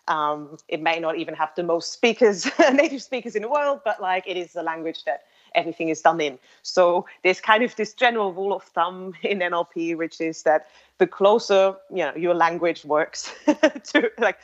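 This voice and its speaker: Woman guest, low voice, hesitant, lo-fi sound. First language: German. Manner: thoughtful, many ums and restarts, light laughs. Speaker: interview guest, language-tech developer. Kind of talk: casual explanatory interview talk. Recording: muffled lo-fi audio.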